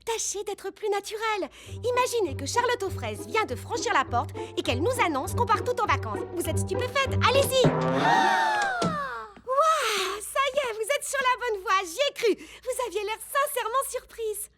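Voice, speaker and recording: A woman voicing a bossy, theatrical, excitable girl with a dramatic, instructing manner in a French-dubbed children's cartoon. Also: very high-pitched, normal speed, faint music behind, heavily acted. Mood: bossy, directing.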